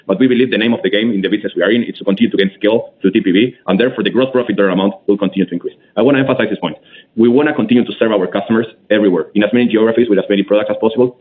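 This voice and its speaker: A man with a fairly low voice talks very rapidly over a tinny phone line. He answers as a company executive, businesslike and emphatic. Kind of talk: answering questions on an earnings call.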